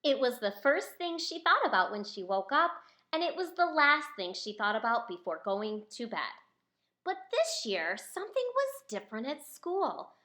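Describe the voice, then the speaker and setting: Highly animated woman reading a storybook. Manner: expressive, addressing young listeners. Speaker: children's author reading own book. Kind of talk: storybook read-aloud to children.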